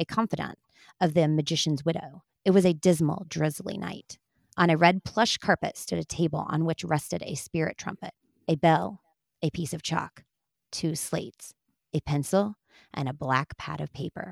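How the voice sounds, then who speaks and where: A woman speaks with a very deep, low pitch, vocal fry, and a solemn, dramatic tone, using ordinary pitch variation. The sound is dry and close, with no echo. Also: moderate pace. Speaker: podcast co-host. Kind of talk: scripted narration of a historical ghost story, read aloud in a solemn, storytelling tone. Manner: measured, solemn, dramatic narrator reading with spooky cadence; self-deprecating, laughs often.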